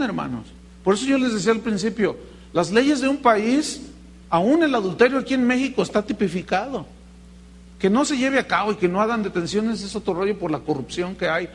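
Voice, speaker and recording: A male pastor preaches in an animated storytelling manner. His voice sits fairly high, and he slips into other people's voices when he quotes them. A faint hum runs under the recording. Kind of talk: sermon with acted anecdotes.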